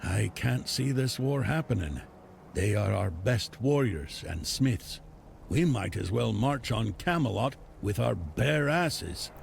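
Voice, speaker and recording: An actor voicing a gruff, solemn tribal leader in a dark fantasy video game, with a gravelly voice and a grave, weighty delivery. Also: male voice, on the low side, animated, takes it slowly, a little hiss or hum, full character voice. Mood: bitter. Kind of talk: dramatic fantasy game dialogue. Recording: game dialogue over clear music.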